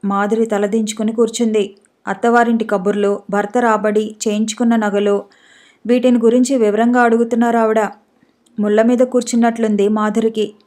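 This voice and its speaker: Calm woman narrating a story. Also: on the high side, a little fast. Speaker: audiobook narrator.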